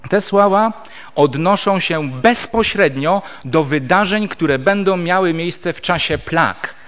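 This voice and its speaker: A man preaching a Bible teaching sermon in a fairly high voice, explaining step by step and reading scripture with measured pauses. The sound is dull and lo-fi. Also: expressive, a bit bright. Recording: dull lo-fi recording.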